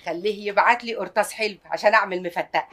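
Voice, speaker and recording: A woman's voice: mid-range voice, fairly bright tone, lightly acted. An actress with an Egyptian accent playing a proud, devoted mother who works hard to raise her son, speaking in a homely, emphatic way. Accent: Egyptian Arabic. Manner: homely, emphatic, quick to plead. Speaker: working mother. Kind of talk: Egyptian TV drama acting.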